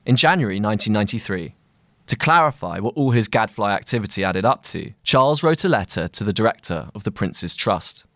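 A man reading a scripted long-form article aloud in a measured, articulate, literary manner. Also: lowish voice, lively intonation, fairly bright tone, no room sound, clean studio sound. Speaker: narrator of a long-read magazine article.

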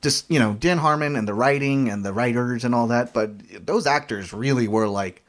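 A man co-hosting a podcast, chatting casually and joking. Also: mid-range voice. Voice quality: joking, quick asides. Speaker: podcast co-host. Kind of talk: casual chat.

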